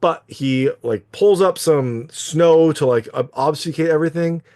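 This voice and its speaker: A man's voice: on the high side, measured pace, darkish tone. A man giving a casual spoken recap and review of an anime, full of conversational fillers.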